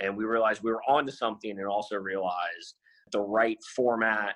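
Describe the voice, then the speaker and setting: With an American accent, a man uses an ordinary speaking voice, fairly low in pitch, fairly quick and fairly even in intonation, recorded dry and close with no echo. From US South (Birmingham, Alabama). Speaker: endurance athlete and entrepreneur. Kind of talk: podcast interview.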